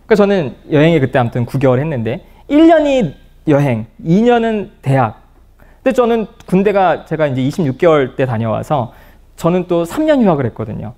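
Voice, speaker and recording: In a lecture room at a counseling center, a man with a fairly high voice gives a psychology lecture at a fairly quick pace. He's a lively storyteller, sharing personal stories with the audience and acting out the dialogue he quotes.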